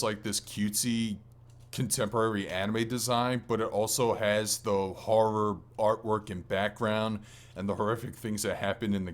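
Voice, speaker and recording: A man with a fairly low-pitched voice co-hosts a gaming podcast. He talks in a casual, colloquial way, with clear enthusiasm and the odd mild swear word. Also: a bit bright. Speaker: podcast co-host.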